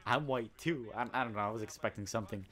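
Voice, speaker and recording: A man's voice: fairly low pitch, fast talker, a bit bright. Chatty teenage boy telling a story. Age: teens. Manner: chatty storyteller, indignant, rambling. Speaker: host. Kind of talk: casual gaming commentary chat.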